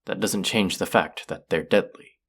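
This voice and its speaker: Haughty, creaky-voiced alien, played by an actor, low and sly. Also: a bit bright, full character voice. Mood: scornful amusement. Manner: condescending, amused, deliberate, theatrical. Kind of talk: audio roleplay acting addressed to the listener.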